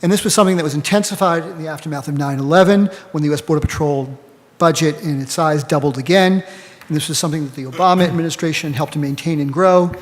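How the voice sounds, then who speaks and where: A man with a Boston accent speaks on a panel in a lecturing way, tagging his points with a quick "right?". His voice sits a bit high for a man, and it rings with a long reverb from a large hall. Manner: lecturing, frequent "right?" checks. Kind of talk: academic panel talk.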